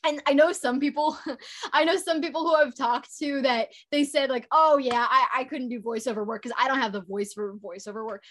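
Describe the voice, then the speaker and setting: A woman's voice: high-pitched, brisk, fairly bright tone. A young woman and voice actor chatting as a guest in a casual interview, upbeat, with many fillers and restarts. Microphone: home recording setup.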